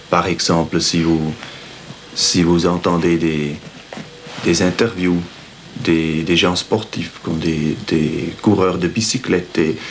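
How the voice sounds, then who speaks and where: With a Swiss German accent, a man with a very deep, low pitch talks at a very slow pace, leaving long, frequent pauses, his intonation fairly even and his loudness very even, over noticeable background noise. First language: Swiss German (speaking French). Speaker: writer. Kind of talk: interview. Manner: halting, many repetitions.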